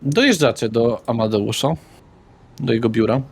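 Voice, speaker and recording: A man's voice: medium pitch, lively intonation, normal speed, breathy edge. A man narrating a tabletop role-playing game as its game master. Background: music.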